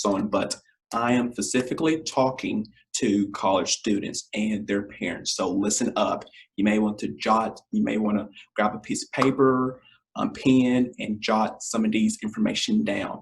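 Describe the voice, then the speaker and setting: A young man hosts an education podcast in a scratchy, deep, hoarse voice. He talks casually and directly to parents and students, repeating his key points and calling them y'all. He records on a webcam in his living room at home. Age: young adult. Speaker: podcast host.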